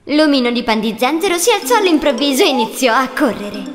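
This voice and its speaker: High, lively woman narrating a children's story. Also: fast talker. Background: music.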